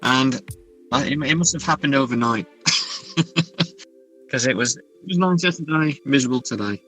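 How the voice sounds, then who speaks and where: Male English author, middle-aged, bright edge to the voice, hesitant casual interviewee, faint music behind. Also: medium pitch, moderate pace, husky, poor audio. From England. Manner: hesitant, thoughtful, understated.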